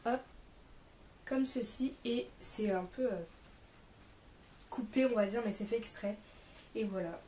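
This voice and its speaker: A woman's voice: fairly high pitch, unhurried, pauses often, dark tone, roomy sound, slight background noise. A young woman vlogging casually to camera in an informal, rambling way, her voice a bit off because she is mildly ill. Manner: informal, rambling, self-correcting. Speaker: vlogger presenting a shopping haul.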